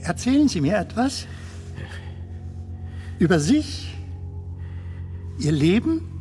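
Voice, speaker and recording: Casting: chatty, nervous comedian in his seventies, radio drama, slow delivery with big swings in pitch. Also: big pitch swings, dark tone, soft background music, full character voice. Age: 70s. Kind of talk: radio play acting.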